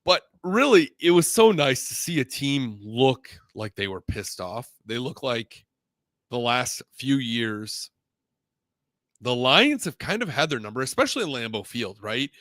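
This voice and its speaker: A man's voice: medium pitch, very animated, measured pace, a bit bright, dry recording. A man hosts a live football stream from a home setup, talking casually and rambling between topics. His voice sits in an ordinary middle range. The sound is dry and close, with no room around it. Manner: chatty and rambling, reads viewer names aloud. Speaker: host of a live sports show.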